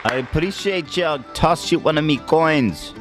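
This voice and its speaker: A man on a podcast voicing a rowdy, boastful leprechaun-type Irish character in an exaggerated put-on accent, often shouting. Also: a little high, unhurried, loud music behind the voice, natural voice. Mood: cheeky. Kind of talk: comedic bit on a podcast.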